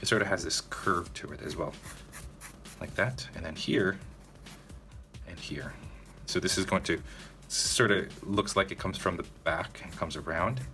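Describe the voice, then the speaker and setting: A man with a low yet bright, forceful voice talks through a drawing step by step in a relaxed way. He speaks straight to his viewers and often pauses to ask "okay?". Faint music plays behind him. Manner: casual, addresses viewers directly, frequent "okay?" check-ins. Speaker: drawing tutorial host. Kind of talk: narrated step-by-step drawing tutorial.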